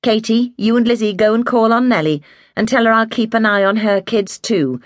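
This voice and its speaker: A woman reading the part of a tired, caring young working-class mother who speaks gently but firmly to her children. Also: fairly high pitch, moderate pace, no echo, voice pushed up, close to an everyday voice. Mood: firm, motherly.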